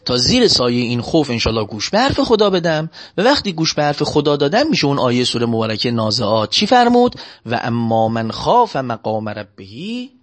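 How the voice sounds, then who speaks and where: A male preacher with a somewhat high voice tells a story in his sermon. His delivery swings up and down with lively, animated pitch. He slows right down when he chants scripture. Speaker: religious preacher.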